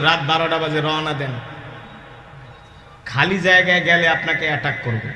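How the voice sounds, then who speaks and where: With clear noise behind him, this man talks in a high register and varies his pitch normally. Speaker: Islamic preacher and Quran reciter. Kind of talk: sermon at religious gathering. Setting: outdoor gathering with PA system. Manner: impassioned, emphatic.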